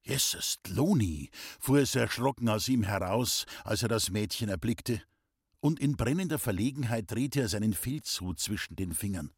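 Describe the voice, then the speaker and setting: A man narrating a classic novel as an audiobook, calm and measured in his storytelling. His voice has a mid-range pitch and sounds dry and close, with no room around it. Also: no echo. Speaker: audiobook reader. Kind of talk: scripted narration.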